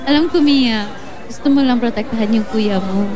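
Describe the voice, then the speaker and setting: A woman's voice: on the high side, moderate pace, music in the background, natural voice. An actress playing a composed, knowing woman in a Filipino audio drama. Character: composed woman claiming old friendship, knowingly teasing. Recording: busy crowd noise behind.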